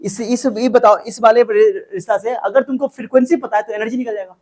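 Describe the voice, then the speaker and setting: Here the chemistry teacher sounds very high-pitched and steady, fairly quick, with a darkish tone. It's a casual tutoring session where he drops English terms into Hindi, repeats formulas, and reprimands the student.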